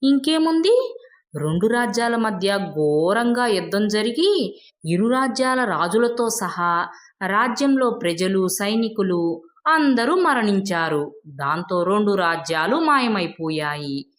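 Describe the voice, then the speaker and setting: A woman's voice: mid-range voice, animated, slow. A woman narrating a scripted moral story as a storyteller.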